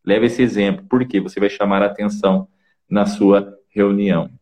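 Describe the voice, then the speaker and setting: A man's voice: on the low side, steady tone, moderate pace, a little mellow. A man with a Brazilian Portuguese accent coaching on communication, in a didactic way that keeps checking in with short tags. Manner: didactic, peppers speech with "tá?" and "né?". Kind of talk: casual advice talk in an online interview.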